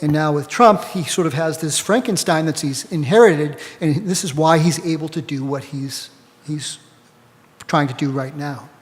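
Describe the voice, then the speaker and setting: A man's voice: on the high side, normal speed. Boston-accented man lecturing in a hall. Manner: lecturing, frequent "right?" checks. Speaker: panelist. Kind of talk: academic panel talk. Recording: long hall reverb.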